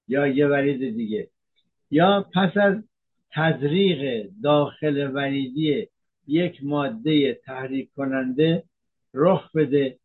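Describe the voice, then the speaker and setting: A man, a physician from Iran, giving a measured health talk that explains medical terms, with frequent hesitations. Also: a little high, narrow, tinny audio.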